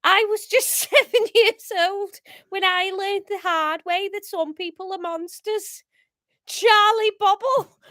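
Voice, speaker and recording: A woman's voice: very high-pitched, takes it slowly, sharp tone, no room sound, clean studio sound, pitched above the performer's own voice, full character voice. A woman voicing an earnest, defiant man from a story declaiming long-winded last words in an attempted Scouse accent. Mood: impassioned. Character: earnest, defiant male captive giving melodramatic last words.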